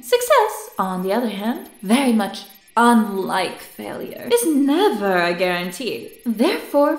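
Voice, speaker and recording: A woman playing a condescending, wordy scientist in an audio drama, with theatrical delivery. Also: on the high side. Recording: roomy, echoing sound.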